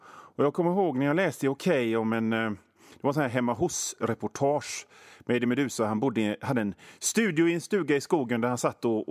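A man's voice: medium pitch, no room sound, clean studio sound. A man hosting a radio show, rambling through a self-mocking comic monologue. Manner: rambling, self-mocking, many fillers and restarts. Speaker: radio host.

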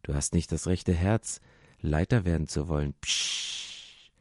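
A man voicing a crowd of scornful people who hush and belittle someone. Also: normal speed, dry recording, studio quality. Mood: reproachful. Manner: hushing, belittling, low. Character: scornful male crowd of naysayers.

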